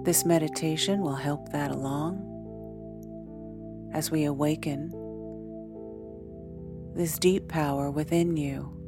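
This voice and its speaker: A woman leading a guided meditation in a soothing, deliberate way, pausing often between short phrases. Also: deep voice, fairly even intonation. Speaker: meditation guide, podcast host. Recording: background music. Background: soft instrumental music.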